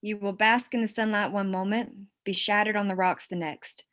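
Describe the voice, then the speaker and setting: A woman's voice: mid-range voice, fairly even intonation, normal speed, fairly bright tone, natural voice. A woman playing a plainspoken, teasing young sweetheart in a screenplay table read. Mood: tender.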